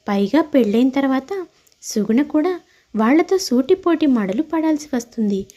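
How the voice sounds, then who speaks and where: A woman with a voice that sits high plays a protective, persuasive young woman in an animated moral story. The character speaks up for her friend frankly and insistently.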